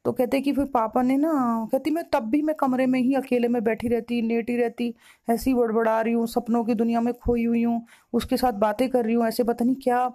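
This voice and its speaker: Mellow woman retelling a client's story. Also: on the high side, flat delivery, fairly quick. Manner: long reported-speech retelling, repetitive and emotional. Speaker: spiritual counselor.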